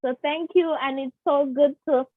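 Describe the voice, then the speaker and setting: A high-voiced woman gives grateful, hesitant feedback. Her audio is thin and phone-like, with a dry sound and no room. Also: steady tone, normal speed, dry recording. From Jamaica. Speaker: hackathon participant. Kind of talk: casual spoken feedback. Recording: tinny phone-like call audio.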